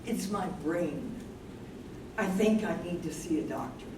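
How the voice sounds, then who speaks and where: In a live staged play reading, a woman plays a thoughtful, anxious professor's wife who is worried about her memory. Her voice sits on the low side, with lively intonation and a measured pace. The recording comes from a distance in a noisy, echoey room.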